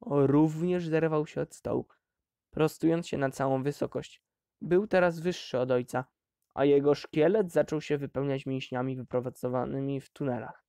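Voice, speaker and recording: A man narrating an audiobook in a measured, deliberate way. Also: medium pitch, steady tone, gravelly, mellow, clean tone, no echo, studio quality.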